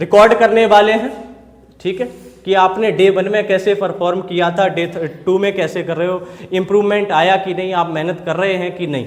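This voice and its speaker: Over noticeable background noise, a man talks at a moderate pace in a high pitch with fairly even intonation. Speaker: English teacher. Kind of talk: classroom lecture. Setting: classroom.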